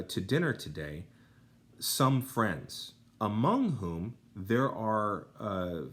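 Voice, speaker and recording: An American man with a fairly low voice teaches in a highly animated, swooping delivery. He reads and explains deliberately, sometimes halting, and drops in informal asides as an instructor would. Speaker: Latin teacher. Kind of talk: instructional lesson, reading aloud and translating.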